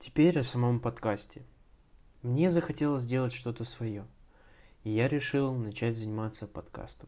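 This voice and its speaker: A man's medium-pitched voice with a dark, mellow tone and long, frequent pauses. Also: ordinary pitch variation, moderate pace. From Estonia, Tallinn. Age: 20s. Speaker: podcast host. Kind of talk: scripted introduction monologue.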